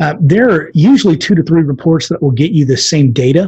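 The voice has an American accent and a dark, mellow tone, and sounds somewhat breathy. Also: man. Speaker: dentist podcast host. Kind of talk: interview. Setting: studio.

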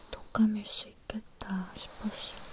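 Soft-spoken and whispering, a woman talks at a very slow pace. The sound is dry with no echo, with light background noise. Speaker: ASMR creator. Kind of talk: soft casual chat to the viewer. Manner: soft close whisper-like ASMR voice. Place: home room.

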